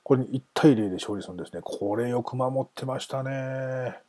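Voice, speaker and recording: A man's voice: medium pitch, a little fast, mellow, no echo. A man hosting a casual solo talk, chatty and self-amused, wandering off into asides. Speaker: podcast host.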